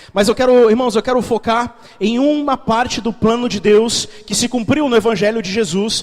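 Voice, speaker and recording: A man speaks at an extremely high pitch with fairly even intonation. Noticeable background noise runs underneath. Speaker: guest pastor. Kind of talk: sermon. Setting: church. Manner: fast.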